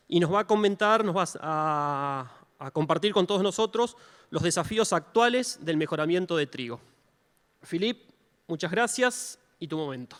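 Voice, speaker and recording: A man's voice: a little high, fairly bright tone. A man moderating a conference session, introducing a speaker courteously and formally, with frequent restarts. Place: conference hall. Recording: long reverb of a large hall.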